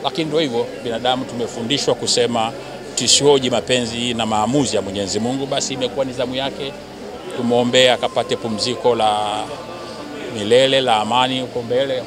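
Through noticeable background noise, a man talks at a moderate pace in a monotone, flat way, the sound dry with no echo. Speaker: politician giving condolence remarks. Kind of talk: interview answer. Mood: somber, grieving. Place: street. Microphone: handheld.

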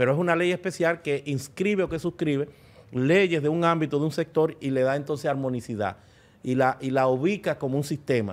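A man races along very fast in a fairly high voice with ordinary pitch movement. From Dominican Republic. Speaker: lawyer and foundation president; lawyer. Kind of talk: TV interview. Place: studio. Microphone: studio mic.

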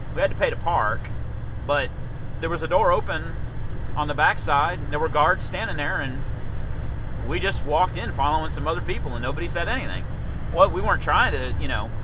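A man at a fairly quick pace over noticeable background noise. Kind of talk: casual vlog chat. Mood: relaxed, amused. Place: car. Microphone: camera far.

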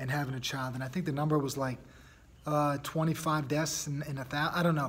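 Somewhat breathy, a man's fairly high voice moves with fairly even intonation. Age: 30s. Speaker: podcast host. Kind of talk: solo monologue podcast. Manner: casual, unscripted. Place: home room. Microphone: phone near.

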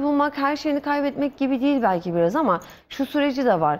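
High-pitched female voice full of lively intonation. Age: 40s. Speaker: former addict turned addiction counselor; TV guest. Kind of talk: TV interview, personal testimony. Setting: TV studio. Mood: earnest personal storytelling. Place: studio.

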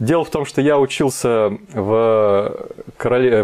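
A man speaks with ordinary pitch variation. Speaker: interview guest. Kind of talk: interview answer. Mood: warm, smiling, occasional laughs. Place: studio. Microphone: lapel.

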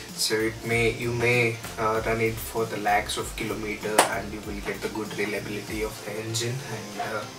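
A man speaks over clear music in the background. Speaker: motorbike reviewer. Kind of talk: product review talk. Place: home room.

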